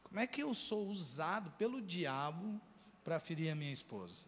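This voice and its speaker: A man's voice: on the high side, big pitch swings, normal speed, a bit bright, long reverb tail. A man with a Brazilian Portuguese accent preaching a sermon, telling a personal story earnestly and speaking straight to the congregation. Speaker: pastor.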